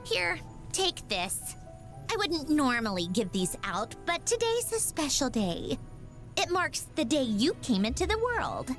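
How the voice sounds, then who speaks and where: A woman's voice: high voice, huge pitch swings, measured pace, fairly bright tone, soft background music, exaggerated voice. An actress playing a proud young woman in a video game, haughty but secretly caring. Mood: haughty, fond. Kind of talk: scripted game character voice lines.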